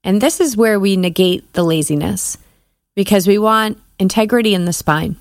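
A woman leading a guided breathing meditation as a podcast host and coach, giving measured, soothing instructions with pauses. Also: mid-range voice, no echo, clean studio sound.

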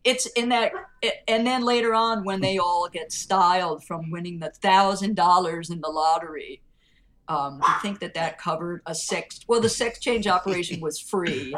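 A woman's voice: fairly low pitch, a little slow, pushed and bright, a little hiss or hum. A woman guest on a film podcast, chatty and rambling, laughing between her thoughts. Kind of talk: casual film discussion.

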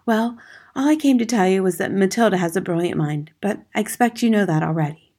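A woman's voice: medium pitch, fairly quick, mellow, natural voice. A frail yet resolute schoolteacher from a storybook, played by a woman narrator. She speaks politely and earnestly, with firm insistence. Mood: earnest, probing. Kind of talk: acted audiobook dialogue.

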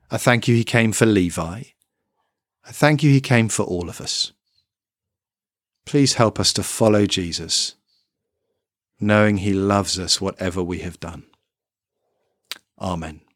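A middle-aged man giving a children's sermon, emphatic and expressive, building lists and ending in prayer. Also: on the low side, a little slow, long pauses, dry recording. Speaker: preacher. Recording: dry close recording.

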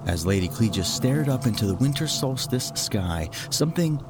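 A man's voice: mid-range voice, expressive, normal speed, loud music behind the voice. A man narrating a scripted fairy tale as a storyteller for all ages.

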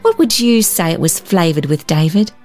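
A woman's voice: lowish voice, very animated, moderate pace, a little mellow, faint music behind. A woman voicing a lonely, affectionate lady in a storybook reading. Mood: tender, delighted. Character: lonely young lady Rosemary, tender and delighted.

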